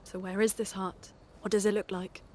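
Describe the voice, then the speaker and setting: A woman's voice: mid-range voice, level tone, moderate pace, a little mellow, a little hiss or hum, close to an everyday voice. An actress playing a serious, analytical young woman who questions her companions, in a game cutscene. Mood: curious. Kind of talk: video game cutscene acting. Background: orchestral game score.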